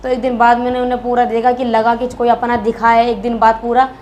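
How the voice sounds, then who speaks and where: A woman's voice: on the high side, little pitch movement, brisk, darkish tone, lo-fi sound, a little hiss or hum. A woman in a casual vlog chat, retelling her hospital stay in a plain, matter-of-fact way. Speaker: vlogger, wife.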